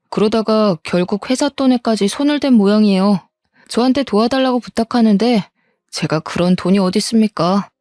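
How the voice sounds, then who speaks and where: A woman's voice: medium pitch, mellow, no echo, clean studio sound, lightly acted. A woman voicing a man's worried best friend in an audio drama, speaking in a reluctant, confiding way.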